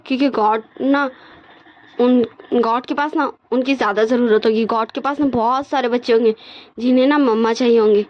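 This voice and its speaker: A gentle young boss speaking in a calm, soothing, explaining way, as a woman storyteller puts him on. Her voice stays high, and the sound is dull and lo-fi. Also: natural voice.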